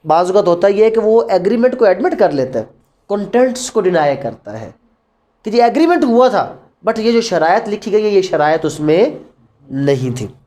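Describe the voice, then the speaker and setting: A man's voice: sits high, a little mellow. A man with a Pakistani accent giving an explanatory lecture in a didactic way, posing questions and answering them himself. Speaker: law lecturer. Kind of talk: explanatory lecture on evidence law, mixing Urdu and English.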